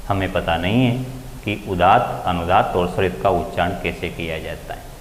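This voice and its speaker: A male grammar teacher lecturing step by step, lifting his voice on key terms. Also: normal speed. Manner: explains step by step, raising pitch to stress key terms. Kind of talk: classroom lecture. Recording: echoey room with long reverb, faint ambient noise.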